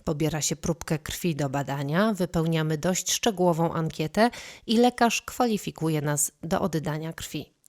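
A woman reporter narrating a news feature in a clear, composed voice. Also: low-pitched, normal speed, darkish tone.

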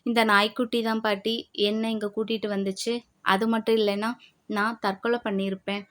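A woman voicing a tearful, grieving young woman who speaks softly and hesitantly. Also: mid-range voice, little pitch movement, a little fast, natural voice. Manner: soft, quiet, hesitant.

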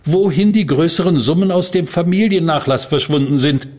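An actor playing an impatient widowed gentleman at a séance, formal and irritable, breaking into stammers. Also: fairly high pitch, normal speed, lightly acted. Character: uneasy, impatient widowed gentleman client, growing frightened. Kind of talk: radio play acting.

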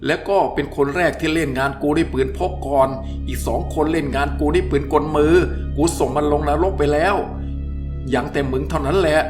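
A man's voice: a little high, fairly even intonation, brisk, music in the background, lightly acted. A man voicing a tough, commanding master thief who speaks with coarse contempt and open threats. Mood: scornful.

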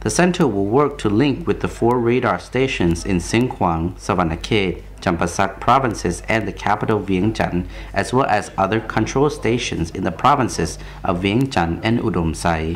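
A man's voice: lowish voice, expressive, moderate pace, few pauses. A man reading scripted television news narration as a presenter.

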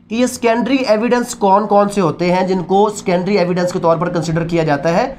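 A woman with a Pakistani accent and a medium-pitched, slightly mellow voice delivers a law lecture to a class. She poses rhetorical questions and then answers them, switching between Urdu and English legal terminology.

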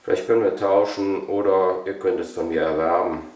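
A man presenting a collection as a channel host, unscripted and casual, haltingly thinking aloud. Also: low voice, steady tone, darkish tone. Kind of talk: casual product showcase, unscripted. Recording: roomy echo, distant microphone.

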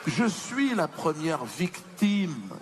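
Casting: male comedian as self-pitying, pompous colonial slave master for punchy stand-up; indignant, highish, swooping delivery, noisy live theatre sound. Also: big pitch swings, very slow, full character voice. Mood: self-justifying. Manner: theatrical, indignant, mock-dignified, swinging to shrieked protests.

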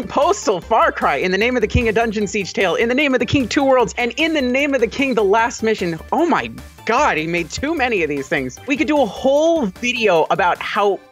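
Wry, sardonic co-host narrating an explainer. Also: male voice, extremely high pitch, very animated, brisk, fairly bright tone, faint music behind. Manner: wry, sardonic, swears casually. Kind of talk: comedic scripted explainer.

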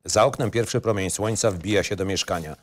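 Low-voiced, matter-of-fact male narrator. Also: a little fast. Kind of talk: scripted screenplay narration.

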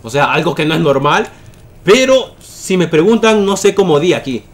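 High-voiced excitable young man gaming. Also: moderate pace. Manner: excitable, yelling at enemies in bursts. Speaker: gaming YouTuber. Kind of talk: gameplay commentary.

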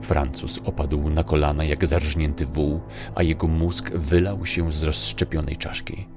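A man narrating a dark adventure audiobook in a measured, ominous storytelling style. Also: extremely low pitch. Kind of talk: scripted dramatic story narration.

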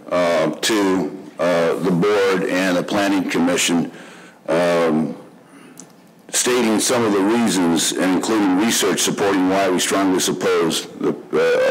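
A middle-aged man, president of a homeowners group, reading prepared public comments at a podium in a meeting room. He speaks earnestly and haltingly, with many fillers. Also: sits low, very noisy. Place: indoor township meeting room. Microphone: podium microphone.

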